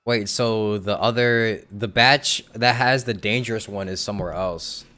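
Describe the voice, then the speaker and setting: A man's voice: on the low side, fairly even intonation, measured pace, sharp tone. A man casually streaming a video game live, reacting aloud as he plays.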